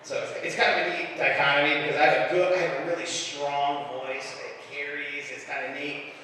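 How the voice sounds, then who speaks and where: A middle-aged man performing an animated stand-up routine, telling stories about his family. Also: fairly high pitch, a little fast, slight background noise. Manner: animated storyteller, bursts into shouting impressions. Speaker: stand-up comedian. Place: comedy club stage. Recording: echoey club heard from far off.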